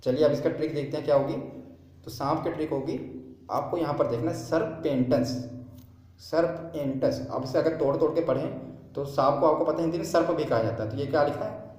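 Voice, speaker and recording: A man's voice: on the high side, quick pace, darkish tone. A man teaching an exam-prep lesson, who asks his own questions and repeats the key terms. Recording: very echoey room.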